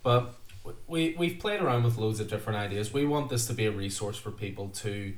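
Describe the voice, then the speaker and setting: A man's voice: fairly low pitch, animated, a little fast. A man hosting a casual podcast chat, rambling and chatty with filler words. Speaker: podcast host, comic shop staff. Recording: roomy, distant mic.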